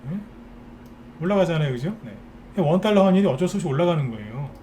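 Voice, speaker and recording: A man's voice: on the high side, lively intonation, fast talker, warm tone, slight background noise. A man giving a live stock market lecture, ranting bluntly and firing rhetorical questions at his viewers.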